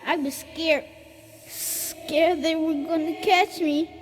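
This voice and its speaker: A woman's voice: extremely high pitch, steady tone, takes it slowly, faint music behind. A woman playing a frightened, eerie little boy in a video game, childlike and plaintive. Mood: scared, plaintive. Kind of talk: video game character acting. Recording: noisy, long hall reverb.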